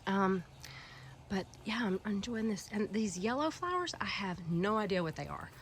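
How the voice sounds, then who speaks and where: A woman's voice: mid-range voice, expressive, moderate pace, a little hiss or hum. A woman with a Southern US accent and a stuffy head cold, chatting casually and rambling with many fillers as she walks through her outdoor garden filming it by hand. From Alabama Gulf Coast, US. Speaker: gardening vlogger. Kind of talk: casual walking garden tour.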